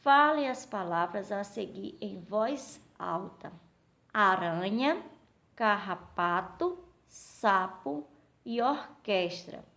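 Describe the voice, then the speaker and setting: A woman teacher with a Brazilian accent gives a recorded lesson for young children, slowly asking questions and answering them herself. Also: mid-range voice, animated, vocal fry, a bit bright. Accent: Brazilian Portuguese. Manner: slow, patient, asks questions and answers them.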